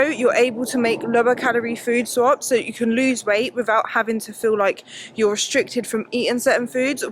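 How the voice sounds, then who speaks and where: A woman's voice: on the high side, a little hiss or hum. Chatty breathless woman vlogging outdoors. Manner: chatty and rambling, many fillers like "like" and "yeah". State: out of breath walking uphill. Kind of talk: casual chat while walking. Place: outdoors on a hill walk.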